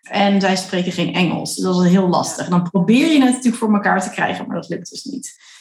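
A woman speaks at a fairly quick pace with a medium pitch. Her pitch varies in an ordinary way, and noticeable background noise is present. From Netherlands. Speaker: podcast host, online marketing strategist. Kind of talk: conversational interview.

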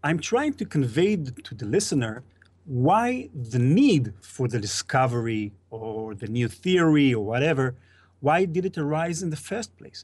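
Against a quiet background, a man with an Israeli accent talks at a fairly high pitch, somewhat breathy, with very wide pitch swings and big swings in loudness. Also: fairly slow pace. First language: Hebrew. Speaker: podcast host and producer. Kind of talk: interview. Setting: video call.

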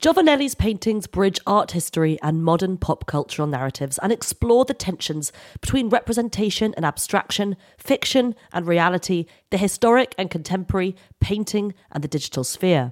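A woman speaks fairly quickly in an enthusiastic tone, her medium pitch making very wide swings. The recording is very clean with a silent background and a dry, close sound with no echo. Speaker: podcast host. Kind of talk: interview.

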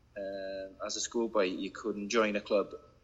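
With a Welsh accent, a man speaks in a fairly low pitch. His pace is moderate. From Wales. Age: 30s. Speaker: professional footballer. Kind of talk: podcast interview.

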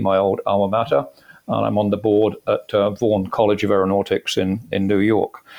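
Speaking with a British accent at a fairly quick pace, a man uses a fairly low pitch amid noticeable background noise. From England. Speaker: aviation executive. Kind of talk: interview. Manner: halting.

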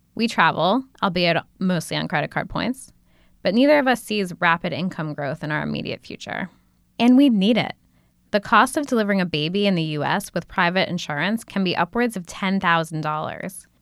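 Speaking at a fairly quick pace, a woman has a medium pitch and lively intonation. Hers is an unremarkable speaking voice. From Scranton, Pennsylvania, US. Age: 30s. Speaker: magazine writer. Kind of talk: reading aloud of a personal essay.

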